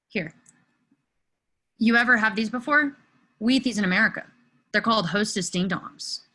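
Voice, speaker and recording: A woman playing an awkward, excitable, friendly teenage boy in a virtual table read. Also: mid-range voice.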